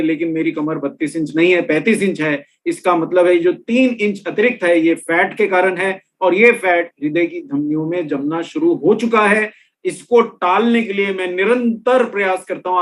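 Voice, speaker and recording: A middle-aged man presenting a health and nutrition talk, explaining step by step and speaking straight to his listeners. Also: high voice. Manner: explanatory, addresses listeners directly. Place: room with products on shelves behind.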